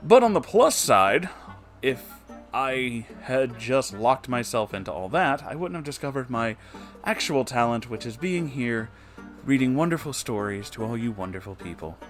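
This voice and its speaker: A man with a mid-range voice reads stories and chats as an online host. His delivery is expressive, informal and peppered with profanity. Quiet guitar music sits behind him. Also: medium pitch, normal speed. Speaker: online story reader and host. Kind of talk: expressive story reading and casual commentary.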